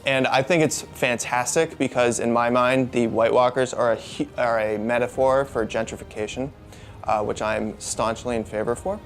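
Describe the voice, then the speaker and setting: Man, middle pitch, deadpan, hesitant, faint music under. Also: moderate pace. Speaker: comics commentator. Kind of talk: casual deadpan chat.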